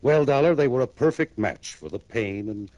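An actor playing an older psychiatrist in a 1960s radio drama, explaining in a measured, fatherly way. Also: medium pitch, lively intonation, a little mellow, no room sound, lightly acted, rough recording. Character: calm, authoritative male psychiatrist, older. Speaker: doctor. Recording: dry vintage radio broadcast.

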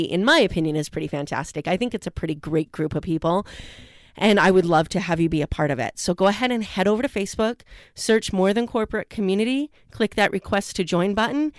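A woman's voice: fairly low pitch, dry recording, studio quality. A woman hosting a podcast interview, chatting in an upbeat, friendly way. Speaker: podcast host. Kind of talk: casual interview.

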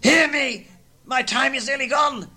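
A man's voice: very high-pitched, sharp tone, pitched above the performer's own voice, full character voice. A man voicing Marley's wailing, chained ghost. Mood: forceful. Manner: wailing, drawn-out, theatrical delivery. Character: Marley's ghost, a wailing, chained, remorseful old male spirit.

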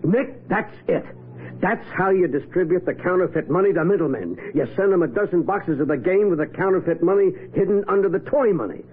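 An eager, blunt cop sidekick for vintage radio mystery: raspy, slightly high voice, folksy delivery. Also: male voice, animated, brisk. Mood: excited. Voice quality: husky. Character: gruff, excitable, slow-catching male police detective sidekick. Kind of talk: 1940s radio crime drama acting. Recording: tinny vintage radio recording.

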